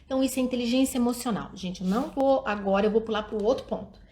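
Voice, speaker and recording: Talking very fast in a fairly high voice with a darkish tone, a middle-aged early childhood education speaker hosts a night-time outdoor live stream about raising children, with slight background noise. She addresses her viewers head-on and performs the words of parents and children.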